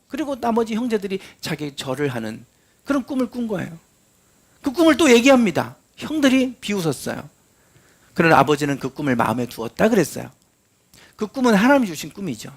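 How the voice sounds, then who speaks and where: Animated preaching pastor, high lively voice. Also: male voice. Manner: storytelling, acting out quoted lines with big pitch swings. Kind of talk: sermon.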